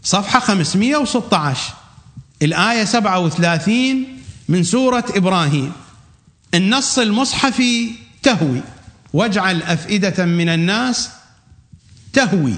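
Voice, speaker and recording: A man giving a religious lecture, emphatic, repeating key phrases and reciting quoted verses slowly. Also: high voice, animated, fairly bright tone. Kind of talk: religious lecture on Quranic readings.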